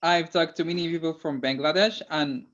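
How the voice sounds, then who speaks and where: A man's voice: on the high side, steady tone, moderate pace, fairly bright tone. A man with an Algerian accent co-hosting a live lesson, friendly and hesitant with many fillers. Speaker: co-host. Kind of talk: casual co-host chat on a live lesson. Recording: dull lo-fi call audio.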